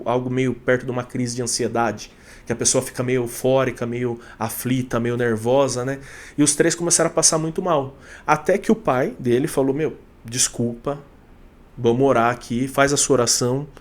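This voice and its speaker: A man hosting a channel, telling supernatural fishing tales in a loose conversational way with many fillers and restarts. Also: medium pitch. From Brazil. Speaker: storyteller host of a channel. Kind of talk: casual storytelling of supernatural tales.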